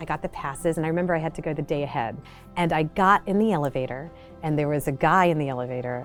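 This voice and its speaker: A woman's lively intonation comes through over background music. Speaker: voice actor. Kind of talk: casual interview answer.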